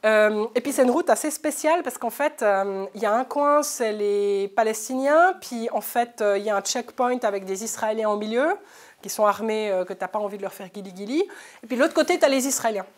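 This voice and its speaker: A woman in her thirties with a Swiss French accent, giving a talk and telling anecdotes in a lively way, often laughing. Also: fairly high pitch, brisk. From Switzerland. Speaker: journalist speaker. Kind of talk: lecture storytelling. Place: lecture hall, live audience.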